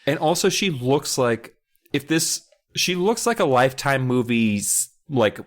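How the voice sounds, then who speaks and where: Animated, profane man chatting casually. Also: mid-range voice, unhurried. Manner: profane, exaggerated exasperation. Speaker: podcast co-host. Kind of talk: casual comic chat, critiquing book covers.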